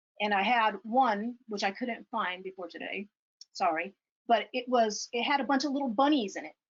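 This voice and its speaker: A woman with an American accent and an unremarkable speaking voice speaks at a moderate pace and a fairly high pitch. Her loudness swings widely. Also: ordinary pitch variation. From New York, Hudson River Valley. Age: 50s. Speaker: artist and veteran. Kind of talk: interview conversation.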